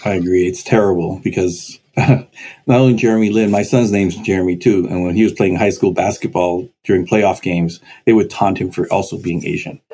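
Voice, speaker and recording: A man, a pastor, speaking in a heartfelt, sober way with halting phrases in a conversation. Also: low voice, steady tone, mellow, slightly rough, poor audio. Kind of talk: conversation on a podcast.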